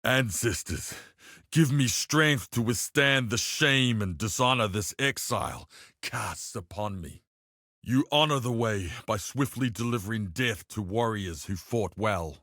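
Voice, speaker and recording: A man playing a proud, honor-bound tribal warrior in a video game, speaking in a solemn, formal, measured way. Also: on the low side, fairly bright tone, no echo, clean studio sound, heavily acted. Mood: wounded, indignant. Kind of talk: video game character acting.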